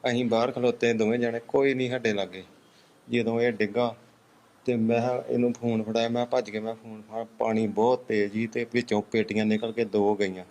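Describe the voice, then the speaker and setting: A man's voice: mid-range voice, flat delivery, moderate pace, a little mellow. A man who was caught in the flood, giving a plain account of saving what he could from the water. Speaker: flood victim.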